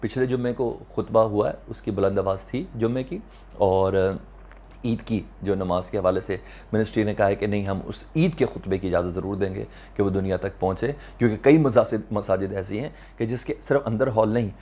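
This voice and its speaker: A man's voice: lowish voice, fairly even intonation, a little fast, mellow. A man with a Pakistani accent giving current affairs commentary to viewers, emphatic, repeating phrases and asking rhetorical questions, with English words mixed in. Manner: mixes English words into speech. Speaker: host of a news commentary video channel.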